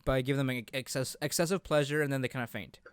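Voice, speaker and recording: A man hosting a casual video game chat, explaining things in an informal, halting way. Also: medium pitch, steady tone, clean tone, no echo. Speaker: podcast host.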